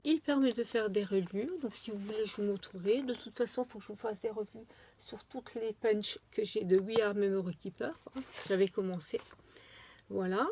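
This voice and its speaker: A woman chatting casually through a craft-supply unboxing, with many pauses and fillers. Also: mid-range voice, gravelly, dark tone, a little hiss or hum. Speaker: crafting vlogger.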